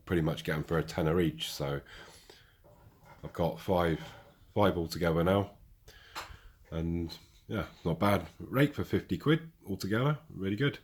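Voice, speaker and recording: Deep husky guy rambling on about his train layout, jokey, camera mic in a hobby room. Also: a little mellow. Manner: chatty, self-joking, rambling asides. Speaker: model railway vlogger. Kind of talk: casual hobby update.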